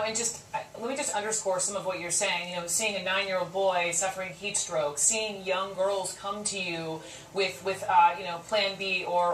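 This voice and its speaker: A woman's voice: medium pitch, a bit bright. A woman conducting a live television news interview, pressing her points emphatically and repeating them for weight. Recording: roomy echo, distant mic, faint noise.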